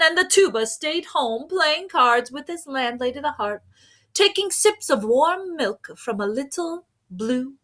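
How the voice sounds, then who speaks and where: A woman's voice: on the high side, sharp tone, pitched above the performer's own voice, heavily acted. A woman voicing an accusing, vain male police inspector from a storybook, with emphatic, dramatic questioning. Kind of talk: storybook character voice.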